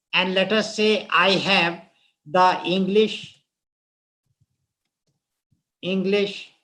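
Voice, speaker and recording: A man with a North Indian accent giving a live online lecture as an instructor, speaking deliberately and repeating his phrases. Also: high-pitched, fairly bright tone.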